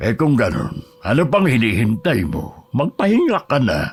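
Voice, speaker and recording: A raspy, put-on character voice swings very widely in pitch at a fairly slow pace. Faint music plays in the background. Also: man, medium pitch for a man. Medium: read story. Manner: casual, folksy.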